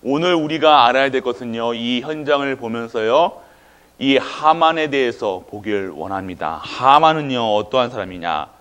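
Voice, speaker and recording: A man's voice: medium pitch, lively intonation, moderate pace, a bit bright, clear, resonant tone. A male pastor preaching a sermon in a church, often quizzing the congregation and waiting for their answers. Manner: quizzes the congregation with call-and-response questions.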